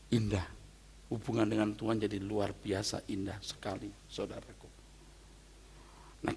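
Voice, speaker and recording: Pastor guy preaching, gravelly husky voice, gets loud then drops real soft. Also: medium pitch. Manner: emphatic, swings from loud exclamations to soft asides. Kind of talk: sermon.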